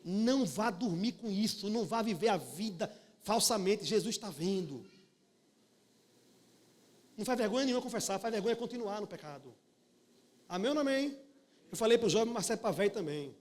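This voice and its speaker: A male pastor preaching a live sermon in a church, telling stories and calling out to the congregation in a folksy, animated way. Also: high-pitched, moderate pace, pauses often.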